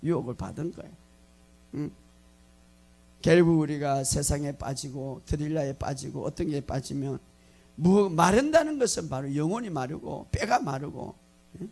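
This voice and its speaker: A male pastor delivers a sermon with a rough, gravelly edge to his slightly high voice. He tells the story animatedly, acting out the lines and often laughing as he goes. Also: animated, moderate pace, a little mellow.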